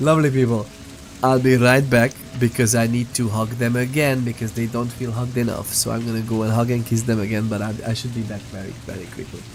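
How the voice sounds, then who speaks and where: Music runs in the background as a man speaks at a very fast pace. His intonation stays monotone and flat. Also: medium pitch for a man. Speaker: gaming live streamer. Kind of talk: live gameplay stream chat. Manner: warm, friendly addressing viewers.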